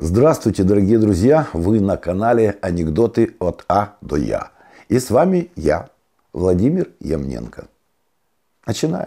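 A man's fairly low, dark, mellow voice with vocal fry, very wide pitch swings, a fairly slow pace and long, frequent pauses, over a quiet background. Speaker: joke-telling channel host. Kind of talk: storytelling jokes to camera.

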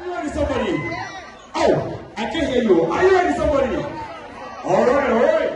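Strong room echo and noticeable background noise fill the recording. A man speaks at a fairly quick pace. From Ghana. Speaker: event MC and entrepreneur. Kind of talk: wedding/event MC crowd-engaging hosting. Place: hall.

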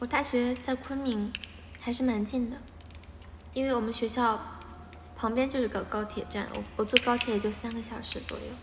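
A woman's fairly high voice at a moderate pace, with long, frequent pauses and noticeable background noise. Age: 20s. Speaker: idol group member livestreaming; idol livestreamer. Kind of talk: casual livestream chat. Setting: rehearsal room. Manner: animated. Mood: playful, relaxed. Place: empty room. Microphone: phone near.

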